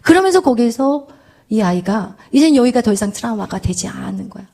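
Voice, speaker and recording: Middle-aged woman preaching at church, highish warm voice, tells stories and does the voices. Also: a little fast, creaky. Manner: animated, acts out quoted prayers in a child's voice. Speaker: pastor. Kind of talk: sermon with storytelling.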